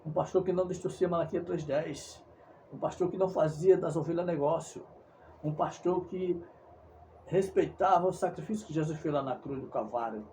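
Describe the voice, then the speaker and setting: A Brazilian man preaching with heated insistence, hammering the same points again and again and tripping over words as he goes. His voice sits a little high for a man but sounds dark and mellow in tone. A faint hiss of noise runs underneath. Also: low-quality recording. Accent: Brazilian Portuguese. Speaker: evangelical preacher. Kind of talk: fervent preaching monologue.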